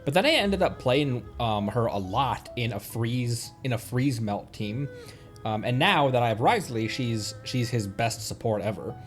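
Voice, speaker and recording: A streamer chatting casually over a game, in a playful, excitable manner. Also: mid-range voice, normal speed, faint music behind. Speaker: livestreamer. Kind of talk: casual gaming livestream chat.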